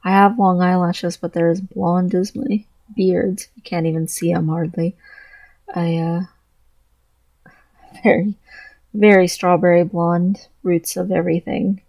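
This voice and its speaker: A trans man talking through his thoughts in a personal vlog, halting and earnest, with a voice he describes as deeper than most girls'. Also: little pitch movement, darkish tone, no room sound. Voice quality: low voice with gravelly fry. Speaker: vlogger.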